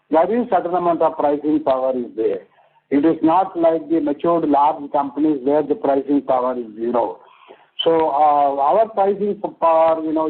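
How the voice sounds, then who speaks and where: Male Indian company executive, husky, halting and repetitive, unscripted answers over a narrow phone connection. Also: on the high side. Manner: halting, repetitive, full of "you know". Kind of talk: unscripted earnings call answers. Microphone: conference phone call. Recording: muffled narrow phone line.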